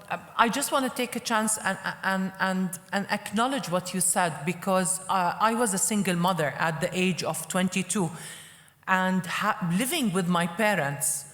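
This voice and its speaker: A woman's voice: fairly low pitch, fairly bright tone, reverberant, big-room sound. A woman moderating a panel discussion, affirming and often repeating words as she begins a thought. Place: conference hall.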